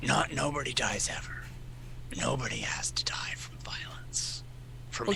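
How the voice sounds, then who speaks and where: A man whispering in a put-on character voice at a moderate pace, with long, frequent pauses and loud background noise. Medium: actual play. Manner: calm, controlled, quietly menacing.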